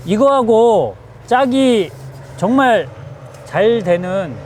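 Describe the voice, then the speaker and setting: A man, a herbal medicine professor, lively and teacherly, explaining herbs outdoors on a farm and quizzing the people with him. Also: high voice, slow pace, slight background noise.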